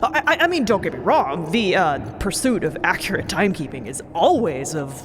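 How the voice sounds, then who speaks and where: Low-voiced, nervous timekeeping officer. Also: female voice, very animated, fairly quick, a crowd in the background. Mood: flustered, hedging. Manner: hesitant, stammering, placating. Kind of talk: audio fiction acting.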